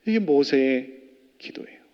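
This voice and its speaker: A man preaching a sermon as pastor, animated and firing rhetorical questions at the congregation. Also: mid-range voice, measured pace. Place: church sanctuary. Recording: long church reverb, dull lo-fi.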